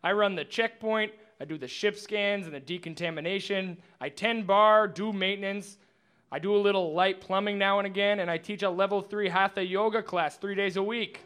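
Bright, high-pitched station bartender guy. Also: normal speed, clear, resonant tone. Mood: chatty. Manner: folksy, ends phrases with "eh". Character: cheerful, quirky male space station chief and bartender. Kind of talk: animated sci-fi comedy dialogue.

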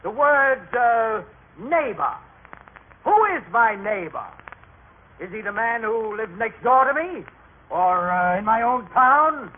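A pompous heckler, extremely high-voiced and husky, declaiming slowly and insistently. He challenges like a public questioner in a vintage radio play. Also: expressive, narrow, tinny audio, exaggerated voice. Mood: challenging, insistent. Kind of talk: old radio drama acting. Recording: thin band-limited vintage radio recording.

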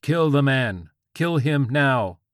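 A man's voice: mid-range voice, measured pace, no room sound, clean studio sound, pitched above the performer's own voice, lightly acted. A man voicing a wrathful, imperious god who gives urgent, declamatory orders in a narrated story. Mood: commanding.

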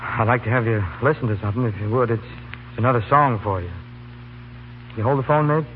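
An actor playing an earnest, easily exasperated young college student in love, speaking haltingly in a 1930s radio comedy. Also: male voice, medium pitch, natural voice. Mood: tender, pleading. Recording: tinny, hissy 1930s radio recording.

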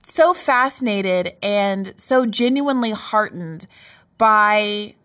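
A woman's voice: mid-range voice, lively intonation, slow, a bit bright. A woman hosting an interview, earnest and effusive, asking long winding questions. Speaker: host.

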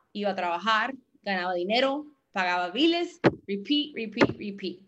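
Woman coach, middle-aged, fairly high voice, talking from a home office over a call mic, mixes English into her Spanish. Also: lo-fi sound. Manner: mixes English words into Spanish, self-deprecating about her Spanish. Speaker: guest speaker and business coach. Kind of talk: motivational training call.

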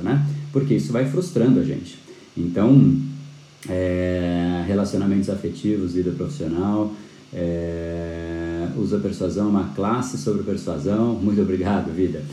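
Male instructor, low and warm, animated live-class delivery with a roomy echo. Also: moderate pace. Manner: animated, frequent tag questions, restarts. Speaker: persuasion course instructor. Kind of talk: live-streamed lecture.

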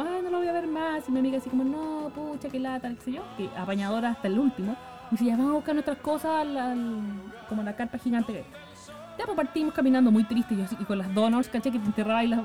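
Fast-chatting Chilean woman, soft music behind. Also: a little high. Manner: chatty, peppered with slang tags, quick and lively. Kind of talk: casual storytelling.

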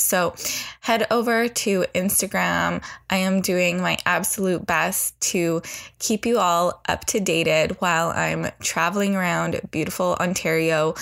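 A young podcast host chats from bed, upbeat and rambling through updates in a casual solo episode, her groggy morning voice caught on a heavy new studio microphone. Her pitch is fairly low and a bit bright, with vocal fry.

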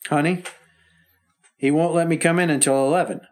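A man's voice: on the high side, fairly even intonation, brisk, darkish tone, lightly acted. A man playing an earnest, recovering husband. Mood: earnest tender. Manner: earnest, tender, subdued. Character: weary husband recovering from illness. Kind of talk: old-time radio drama acting.

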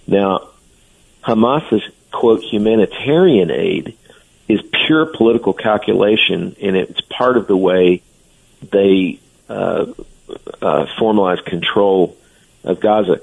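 A man's voice: fairly low pitch, takes it slowly, creaky, phone-quality sound. A man speaking as a guest on a radio interview, giving earnest, blunt opinions. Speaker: guest commentator.

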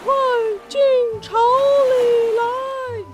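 A woman's voice: extremely high pitch, fairly even intonation, pitched above the performer's own voice, full character voice. A woman voicing a hot-tempered mother bird in a children's story, calling out word by word over music. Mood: urgent, calling. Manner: slow, word-by-word delivery.

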